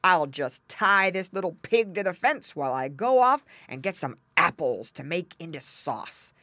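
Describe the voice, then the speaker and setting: A woman voicing a big greedy black bear in a storybook, growling and gloating with drawn-out, menacing words. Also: fairly low pitch, very animated, bright, forceful tone, no room sound. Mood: scheming, pondering. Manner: growling, drawn-out, emphatic delivery.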